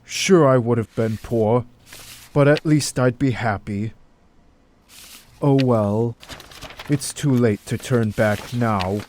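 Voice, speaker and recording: A man's voice: mid-range voice, slow, pauses often, a little mellow, slight background noise, natural voice. A man playing a wistful, secretive doctor in an audio drama, theatrical and evasive, with an air of authority.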